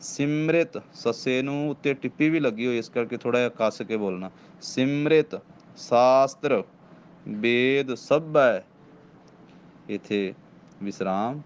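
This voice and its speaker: A man's voice: mid-range voice, fairly even intonation, a little hiss or hum. A man with a Punjabi accent teaching scripture recitation line by line, patiently correcting pronunciation and demonstrating each phrase. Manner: patient, corrects word by word, slow chanted demonstration. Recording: dull lo-fi recording with faint ambience.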